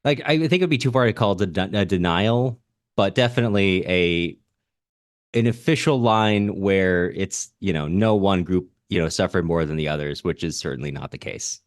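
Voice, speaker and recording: Low-voiced man explaining informally. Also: normal speed, dry recording, studio quality. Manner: informal explaining, hesitant phrasing. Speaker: podcast co-host. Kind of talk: casual literary discussion podcast.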